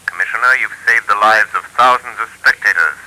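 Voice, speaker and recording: Low commanding mystery hero, crisp bright voice, 1930s radio play. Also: male voice, brisk, poor audio. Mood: calm command. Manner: firm, commanding. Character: mysterious crime-fighting hero, calm and authoritative. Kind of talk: 1930s radio drama acting.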